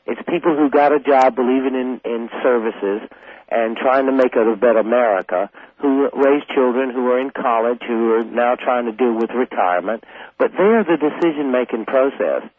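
A man in his forties from South Carolina, a radio guest talking in a calm, earnest, long-winded way. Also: medium pitch, moderate pace, no echo. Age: 40s. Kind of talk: call-in radio conversation. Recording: tinny phone line.

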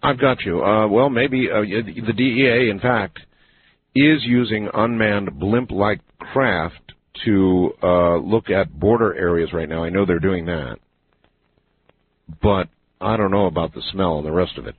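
A man hosting a late-night call-in radio show, speaking with a smooth radio host delivery. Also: on the low side, unhurried. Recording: phone-like lo-fi broadcast with faint hiss.

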